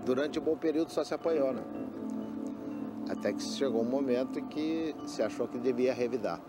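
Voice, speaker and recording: A man's voice: medium pitch, a little fast, over loud music. A man recounting events plainly in a documentary interview.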